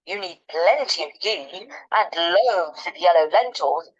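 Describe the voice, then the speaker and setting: A woman's voice: lowish voice, lively intonation, slow pace. A woman voicing a crafty, boastful poor woodman who talks in a sly, coaxing way. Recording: dull lo-fi recording.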